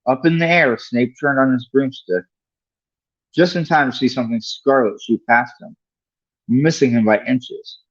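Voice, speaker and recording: A man's voice: medium pitch, moderate pace, dry recording, dull audio. A man reading a story aloud as a livestream host, now and then stumbling over a word and correcting himself. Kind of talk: read-along audiobook narration.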